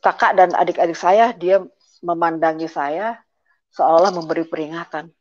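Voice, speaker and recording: A woman's voice: lowish voice, normal speed, darkish tone. A middle-aged woman giving a personal testimony, speaking hesitantly with many filler sounds as she retells painful family events. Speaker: guest giving a conversion testimony. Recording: dull lo-fi audio.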